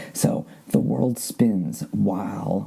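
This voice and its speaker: Soft-spoken yet enthusiastic in tone, a man speaks. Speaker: podcast host. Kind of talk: casual podcast talk, music commentary. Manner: soft-spoken, enthusiastic.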